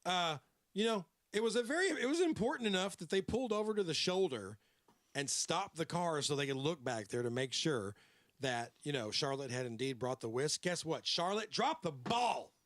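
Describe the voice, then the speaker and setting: A man's voice: fairly high pitch, moderate pace, dry recording. A man hosting a podcast, telling a true-crime story and slipping into character voices. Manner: animated, drops into character voices. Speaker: podcast host.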